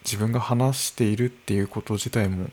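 A man in his early thirties talking alone into a microphone in his room, slow and musing, with soft laughs. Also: fairly low pitch, fairly even intonation. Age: early 30s. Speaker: podcast host. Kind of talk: unscripted solo podcast talk. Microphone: podcast microphone.

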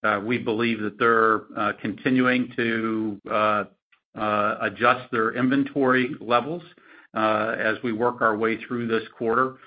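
A man speaking as a company executive answering analysts on an earnings call, in a halting, measured way. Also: fairly low pitch, little pitch movement. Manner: halting, hedged, measured delivery. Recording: muffled, lo-fi conference call audio.

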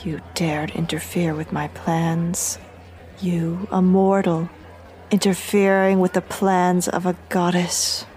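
A woman's voice: fairly low pitch, little pitch movement, takes it slowly, darkish tone, in a large hall. A woman playing a proud, wrathful, mocking goddess and sorceress in an audio drama, with an imperious, theatrical manner. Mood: cold anger.

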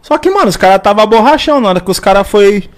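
Lively, high-pitched São man, joking, slangy. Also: quick pace. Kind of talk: casual storytelling chat.

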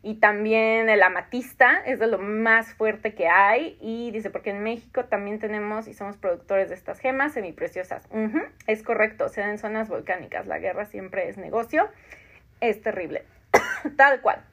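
A woman's voice: mid-range voice, normal speed, fairly bright tone. A Mexican woman in her thirties, hosting a podcast in a casual chat, reading out listener comments and answering them, with frequent laughs. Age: 30s. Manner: chatty, laughs often, reads comments aloud. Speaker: podcast host.

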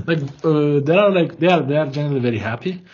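A man's voice: a little high, normal speed, breathy edge. A man from Turkey with a Turkish accent, answering interview questions over a video call, hesitant and repeating words as he thinks. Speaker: guest, product head of a developer tool startup. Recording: dull lo-fi call audio.

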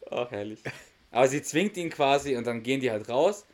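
A man's voice: mid-range voice, lively intonation, a little fast, darkish tone. A man hosting a podcast, casually retelling a sitcom episode, often laughing and acting out the characters' lines. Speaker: podcast host.

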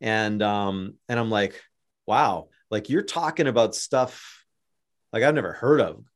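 A Canadian man hosts a podcast in relaxed conversation. He rambles, circles back on his own words and stumbles through restarts, yet keeps the tone upbeat and encouraging. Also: on the low side, unhurried. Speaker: podcast host. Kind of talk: casual interview chat.

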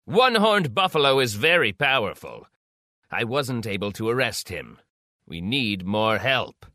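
Lady putting on a lowered, bright earnest fire god, formal and lively. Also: measured pace, no echo, clean studio sound, exaggerated voice. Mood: grave.

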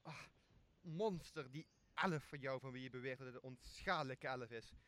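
A pompous drunken pretender to a throne, played by a man in a radio play. He speaks at middling pitch, bossy and threatening. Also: moderate pace, a bit bright, natural voice. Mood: indignant, threatening. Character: drunken, bossy would-be king, threatening and self-important. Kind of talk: radio play acting of Shakespeare.

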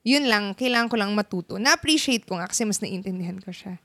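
A woman with a Filipino accent, co-hosting a casual chat about films. She talks in a relaxed way and thinks aloud with fillers. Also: mid-range voice, fast talker, dry recording.

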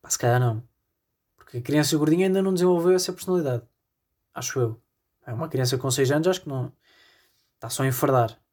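A man's voice: medium pitch, quick pace, pauses often, a little mellow. A man with a European Portuguese accent hosting a solo comedy podcast, rambling in a self-deprecating way with constant fillers. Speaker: podcast host.

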